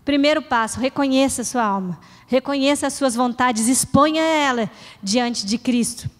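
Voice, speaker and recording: A woman's voice: high voice, moderate pace. A middle-aged woman pastor preaching in a church, earnest and conversational, acting out short prayers. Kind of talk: sermon. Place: church hall. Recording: reverberant church hall.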